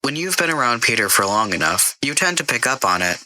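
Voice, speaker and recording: A man voicing a dry, unflappable female AI assistant in an audio story, soft and matter-of-fact. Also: medium pitch, big pitch swings, brisk, dry recording, voice pushed up, low-quality recording.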